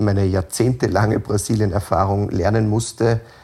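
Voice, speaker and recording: A somewhat breathy man with a dark, mellow tone at a fairly slow pace. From Austria. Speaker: trade delegate. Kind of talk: interview. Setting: video call.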